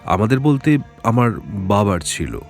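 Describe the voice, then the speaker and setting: A man's voice: lowish voice, very animated, unhurried. An actor playing an anxious middle-aged jeweller who fears he will be murdered, talking in a hesitant, worried way with faint music behind. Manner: hesitant, worried, explaining at length. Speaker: client. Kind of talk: Bengali audio drama acting.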